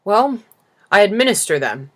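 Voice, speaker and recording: A woman voicing a peevish, self-important businessman in a storybook, brisk and insistent in manner. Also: mid-range voice, sing-song, voice pushed up. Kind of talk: storybook character reading.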